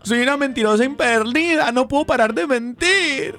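A man voicing chatty, gossiping churchwomen with a Paisa Colombian accent, high and gushing in a sing-song way. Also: moderate pace, sharp tone, heavily acted. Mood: confessing.

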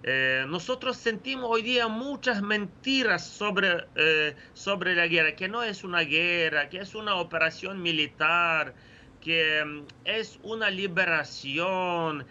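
A man in his forties from Ukraine, a parish priest with a Ukrainian accent, speaks a learned second language slowly and with frequent pauses. His tone is bright and forceful, set a little high. The sound is muffled and lo-fi, with faint noise behind it. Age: 40s. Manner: slow, halting, many pauses and fillers. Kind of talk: remote interview answers.

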